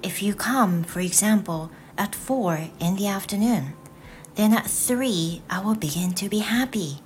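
A woman with a Japanese accent voicing a wise, gentle male fox in a storybook reading, soft and heartfelt, with faint music behind. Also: mid-range voice, expressive, measured pace, natural voice. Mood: tender.

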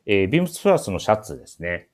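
Fast-talking man with a very low voice. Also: sing-song. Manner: frequent backchannel responses, prompts guests politely. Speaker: radio show host. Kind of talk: casual chat hosting a shop radio show.

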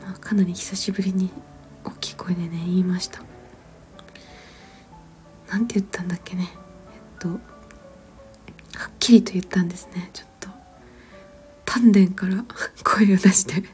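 A mother in her thirties whispering a long, rambling story, gentle and full of small fillers and soft laughs. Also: on the low side, steady tone, moderate pace, long pauses, soft background music.

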